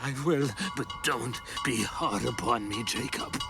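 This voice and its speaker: An actor playing a frightened, stubborn old miser in a radio drama, stammering and querulous with a creaky voice. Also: male voice, medium pitch, measured pace, music in the background. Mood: pleading. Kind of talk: theatrical radio drama acting. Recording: reverberant room sound, background noise.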